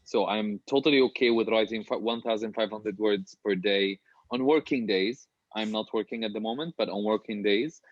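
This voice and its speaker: A lower-pitched man from Syria talks as an interview guest in an informal, candid way. The sound is slightly muffled and lo-fi, like a video call, with a dry room around him. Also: moderate pace, no room sound. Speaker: guest author being interviewed. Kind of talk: casual conversational interview. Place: small apartment home office, remote call.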